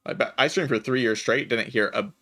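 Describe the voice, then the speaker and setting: A man streaming a game, chatting casually in a relaxed, raspy voice with vocal fry, often saying "like". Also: medium pitch, fairly quick. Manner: relaxed, laid-back, chatty with filler "like". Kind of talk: casual chat while gaming.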